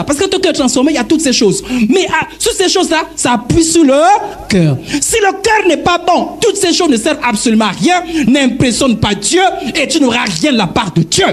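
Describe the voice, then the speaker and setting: Husky-voiced preaching man, animated pitch. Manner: emphatic preaching, wide pitch swings, direct address. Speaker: pastor. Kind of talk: sermon.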